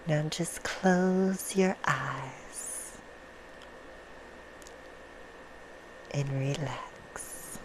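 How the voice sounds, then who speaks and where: Slow, low-voiced vampire storyteller played by a woman. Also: exaggerated voice, low-quality recording. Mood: soothing, sinister. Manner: slow, hushed storytelling, drifting into whispers. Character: female vampire, soothing and menacing, reading bedtime stories. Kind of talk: ASMR roleplay. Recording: clear background noise.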